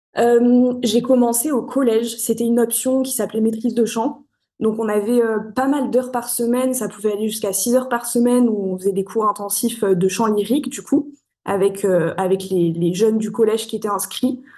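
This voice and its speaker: A woman's voice sits fairly high with a dark, mellow tone. Her intonation stays fairly even. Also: moderate pace. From southern France, Montpellier. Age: 20s. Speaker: psychology student. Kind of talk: interview. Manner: hesitant, many fillers.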